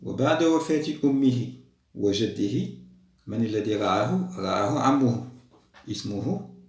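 A male primary school teacher with an Algerian Arabic accent reviews an exam lesson. He reads each question slowly, praises the class and explains each answer. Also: medium pitch, expressive, roomy sound, far from the mic.

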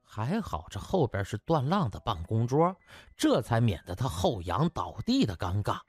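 A man narrating a comic audiobook in a theatrical, colloquial storyteller's manner with a husky voice. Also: medium pitch, sing-song, moderate pace, a little mellow, no echo, faint music behind.

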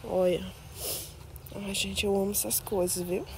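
A woman's voice: mid-range voice, steady tone, unhurried, vocal fry, slight background noise. A woman touring her garden on her phone, chatty and doting as she coos over her plants. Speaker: plant vlogger. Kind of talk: casual garden tour. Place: outdoor garden. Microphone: phone held while filming.

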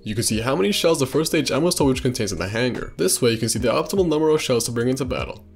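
A man's voice: mid-range voice, lively intonation, very fast, gravelly. A man reading scripted narration for a video game trivia video.

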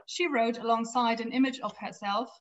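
A woman giving an academic lecture from a home office over a video call, reading prepared text in a measured way with small restarts. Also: on the high side, fairly even intonation, a bit bright. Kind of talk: academic lecture read from slides. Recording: slightly dull lo-fi video call audio.

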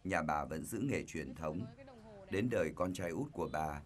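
Deep-voiced male documentary narrator. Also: crowd noise. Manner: calm, measured documentary reading. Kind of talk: scripted narration. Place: voice-over studio. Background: faint music.

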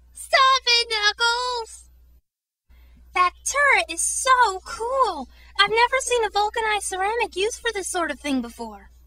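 A woman's voice: very high voice, sharp tone, no room sound, exaggerated voice. A woman voicing an earnest, brainy, plucky little boy fox in a boyish manner, as a video game character audition. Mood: scared, then excited, technical.

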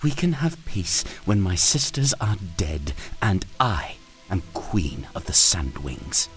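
A man's voice: deep voice, very animated, slow, faint music behind, heavily acted. A man reading a fantasy storybook aloud, voicing a cruel, scheming female sand dragon queen who hisses her words with cold scorn. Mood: contemptuous.

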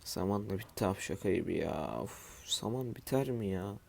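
A groggy man who has just woken up, talking through a game in a low, gravelly voice. His tone is dark and mellow, and he mutters to himself as he builds, dropping the odd aside to viewers from his room at home. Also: expressive, moderate pace, slight background noise. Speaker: gamer streaming his play. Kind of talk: casual let's-play commentary.

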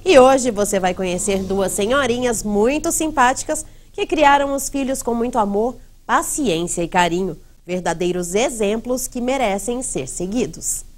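A woman's voice: on the high side, animated, moderate pace, hardly any pauses. A young Brazilian woman presenting scripted news as an anchor in a TV studio.

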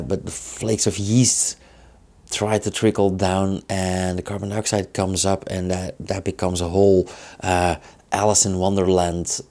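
Belgian guy in his 30s doing a beer review, real low voice, gravelly. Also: warm tone. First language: Dutch. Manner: slow, thoughtful, with many fillers. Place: small indoor studio with beer signs.

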